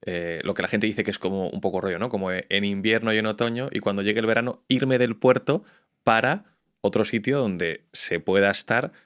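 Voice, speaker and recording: Chatty low-voiced podcast host man. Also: fairly quick, fairly bright tone, smooth. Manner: chatty, asks long rambling questions with restarts. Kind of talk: conversational interview.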